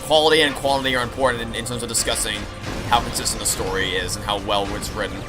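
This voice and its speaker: Here a fast-talking man with a steady, mid-range voice offers live commentary and chat during a game stream. While playing, he lays out his opinions in an analytical way for his viewers, over the game's music and sound effects.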